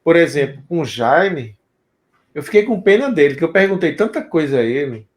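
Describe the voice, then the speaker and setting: A man from Pernambuco with a Recife accent, hosting an interview in a calm, casual way with short affirming replies. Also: fairly high pitch, moderate pace. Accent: Recife Pernambucan Portuguese. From Pernambuco, Brazil. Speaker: podcast interviewer.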